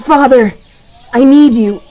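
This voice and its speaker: A woman's voice: high voice, takes it slowly, mellow. A woman playing a brave, defiant young boy superhero sidekick in a radio drama, speaking with intense, earnest pleading. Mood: desperate pleading.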